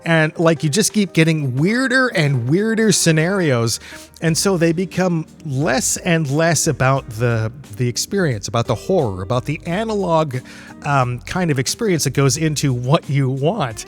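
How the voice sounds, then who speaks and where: A man with a fairly high voice talks casually as a podcast host. He rambles conversationally from point to point, as if chatting straight to the listener. Faint music plays behind him. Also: lively intonation, unhurried. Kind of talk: casual solo podcast talk.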